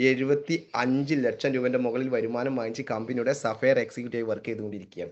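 A man talks with a Malappuram accent. His intonation stays fairly even. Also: medium pitch for a man. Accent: Malappuram Malayalam. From Kerala, Malappuram. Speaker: direct-selling business leader. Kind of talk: motivational sales talk.

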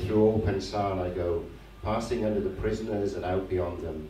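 A man speaks with a fairly low pitch and fairly even intonation. Audible room echo and light background noise are present. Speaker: poet. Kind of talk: poetry reading with spoken introduction. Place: cafe. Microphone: handheld.

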